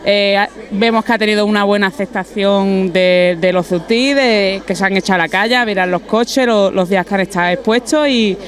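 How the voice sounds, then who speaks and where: A woman's voice: mid-range voice, a little fast. A woman from a chamber of commerce interviewed outdoors at night, speaking with many restarts and repeated words. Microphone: handheld mic held by interviewer.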